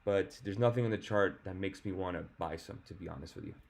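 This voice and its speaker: A man hosting a casual market commentary stream, answering viewer questions in a relaxed, offhand way, his voice a bit hoarse from a sore throat. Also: deep voice, fast. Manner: relaxed, chatty and offhand, with fillers. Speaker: stock market show host. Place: hotel or temporary spot, away from home.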